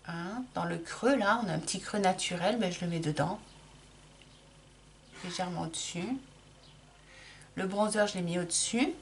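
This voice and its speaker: A middle-aged woman, a makeup vlogger, chats casually through her makeup routine, explaining as she applies and often restarting sentences with fillers. Her fairly low voice has a light gravelly edge, moves at normal speed, and includes long pauses. A faint hiss and some room ambience sit behind her.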